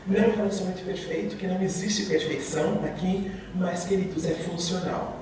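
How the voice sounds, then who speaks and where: A woman giving an earnest testimony sermon in a church, speaking with emphasis and addressing the congregation warmly. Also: fairly low pitch, steady tone, a little fast, background noise. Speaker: speaker at a church recovery program. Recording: very echoey hall, from far off.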